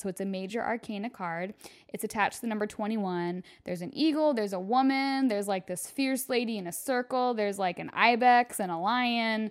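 Here a woman speaks in a plain, everyday voice with ordinary pitch variation. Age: 30s. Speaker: podcast host and tarot reader, thanatologist. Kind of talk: tarot reading interview.

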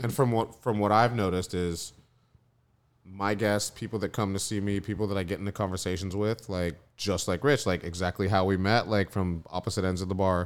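An ordinary speaking voice with an American accent, fairly quick in pace and fairly even in intonation, on a very clean recording with a silent background. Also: man, fairly low pitch for a man. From Florida. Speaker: bartender. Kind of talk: casual chat.

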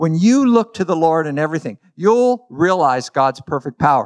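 A man's fairly high voice with very wide pitch swings, a moderate pace, a quiet background and a dry, close sound with no echo. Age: 70s. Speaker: pastor. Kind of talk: sermon.

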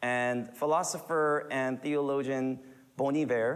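A man's medium-pitched voice with an American accent and fairly even intonation, in audible room echo. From Korean American community, US. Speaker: guest preacher. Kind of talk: sermon. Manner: hesitant with many fillers.

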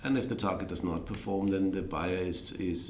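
Speaking with a Danish accent at a moderate pace, a man has a very deep, low pitch amid audible room echo and noticeable background noise. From Denmark. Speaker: arbitrator. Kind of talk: interview. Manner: halting.

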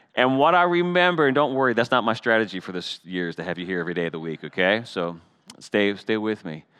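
Loud and very fast, a man speaks at a fairly low pitch in a bright, sharp tone with very wide pitch swings. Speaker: pastor. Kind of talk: sermon. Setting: church service with congregation.

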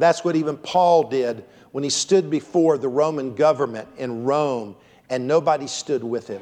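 A man with an unremarkable speaking voice talks at a moderate pace and fairly high pitch, with ordinary pitch variation, against a quiet background. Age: 60s. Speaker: preacher. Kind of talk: sermon. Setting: church.

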